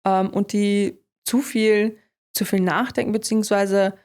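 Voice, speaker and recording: A woman's voice: medium pitch, fairly even intonation, a little slow, darkish tone, slight background noise. A woman from Germany, a sales employee, answering interview questions in an upbeat, casual way. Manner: upbeat, affirming with frequent "ja".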